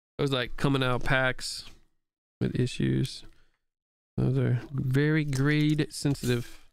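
Quietly and at a very slow pace, a man speaks with long, frequent pauses. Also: very even loudness. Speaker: sports card break host. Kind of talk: live stream commentary.

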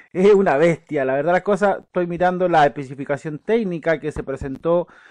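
The background is quiet. A man speaks at a high pitch with ordinary pitch variation. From Chile. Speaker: YouTube commentator on military technology; channel host. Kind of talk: casual video commentary; casual commentary. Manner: halting, many fillers.

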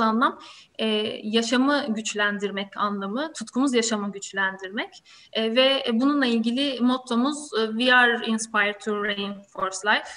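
Intonation remains fairly even. The delivery moves at a moderate pace. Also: woman. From Izmir, Turkey. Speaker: HR talent development manager. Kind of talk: online career talk with presentation. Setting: video call. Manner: frequent filler 'e', hesitant.

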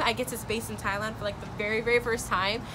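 A woman speaks over noticeable background noise. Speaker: food vlogger. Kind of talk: casual vlog chat.

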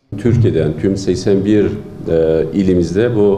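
Light background noise and audible room echo surround a man speaking in a fairly low pitch with ordinary pitch variation. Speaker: party economics official, professor. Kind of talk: interview answer. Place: hall. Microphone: handheld.

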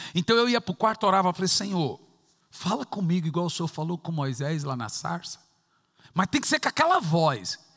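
A man, high-pitched for a man, talking at a fairly quick pace in an animated tone with lively intonation over a quiet background. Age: 40s. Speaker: pastor. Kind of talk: sermon. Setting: church. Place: church. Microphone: headset.

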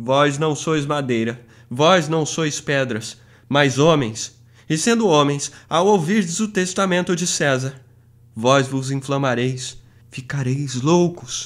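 A theatrical tone delivered at a very slow pace. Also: man, fairly high pitch for a man, ordinary pitch variation. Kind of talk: dramatic audiobook narration of a play, voicing several characters. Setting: studio recording. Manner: theatrical, declamatory, shifting between characters.

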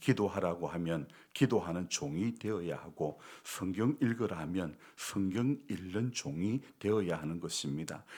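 Lively intonation at a fairly slow pace, in a very clean recording with a silent background. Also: man, very deep, low pitch for a man. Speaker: pastor. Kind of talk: sermon. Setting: church.

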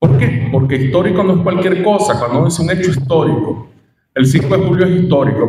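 A man's lively intonation amid audible room echo. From Venezuela. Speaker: politician. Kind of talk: political speech. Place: hall. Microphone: camera far.

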